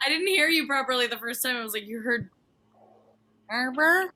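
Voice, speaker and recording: A woman chatting excitedly and casually with friends on a video call, exclamatory and full of slang. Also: sits high, moderate pace.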